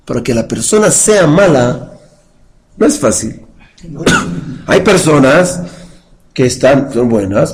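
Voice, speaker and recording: A man's voice: medium pitch, rough recording. A man teaching a Jewish study class, explaining patiently, putting questions to his listeners and chanting verses in Hebrew. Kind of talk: religious study lecture with a live class.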